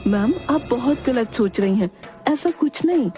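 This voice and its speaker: A woman's voice: on the high side, lively intonation, measured pace, pitched above the performer's own voice. Woman doing a polite, firm young dietitian. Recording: loud background music.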